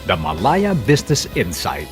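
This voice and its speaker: Guy announcer reading sponsor credits, very lively swooping pitch, music underneath. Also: measured pace. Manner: formal, announcer's read.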